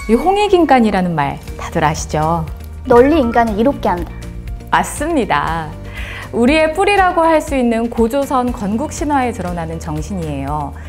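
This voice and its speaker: A woman talks at a moderate speed while music plays faintly behind her. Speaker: talk show host. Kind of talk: scripted presentation. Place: studio. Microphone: lapel.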